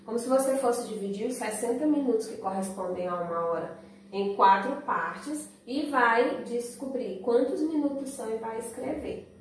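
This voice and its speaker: A woman's voice: a little high, normal speed, a little hiss or hum. A Brazilian woman teaching a remote lesson to young children, patiently explaining step by step and often checking in with "certo?". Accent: Brazilian Portuguese. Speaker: primary school teacher. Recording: echoey room, voice from a distance.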